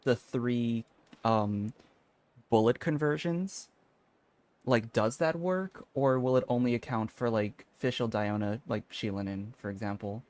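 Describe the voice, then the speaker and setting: A man's voice: medium pitch, measured pace, a little mellow. A man live streaming a video game, chatting casually and rambling as he thinks aloud. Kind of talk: casual gaming stream chat.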